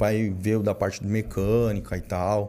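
A man with a São Paulo accent speaks in a fairly low pitch and a dark, mellow tone. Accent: Paulistano Brazilian Portuguese. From São Paulo, Zona Norte. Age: 30s. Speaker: bodybuilder. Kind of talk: casual interview.

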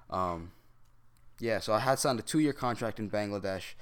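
On a very clean recording with a silent background, a man speaks at a fairly quick pace. He has an unremarkable speaking voice with a fairly low pitch. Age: 20s. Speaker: professional soccer player. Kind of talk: interview.

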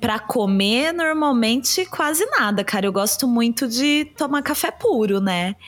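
Lively intonation at a fairly slow pace, with noticeable background noise. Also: woman. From Campinas, São Paulo state, Brazil. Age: 40s. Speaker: journalist and coffee business founder. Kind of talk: casual chat.

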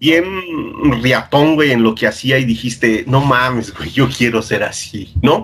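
At a fairly slow pace, a man talks. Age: 30s. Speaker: teacher. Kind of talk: casual chat.

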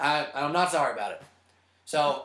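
This is a man talking. He has an American accent. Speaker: podcast host. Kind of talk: casual sports banter podcast.

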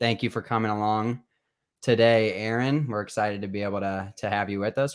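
With an ordinary speaking voice, a man talks at a fairly low pitch and moderate pace with fairly even intonation, in a very clean recording with a silent background. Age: 20s. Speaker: podcast host. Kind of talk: casual chat. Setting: studio.

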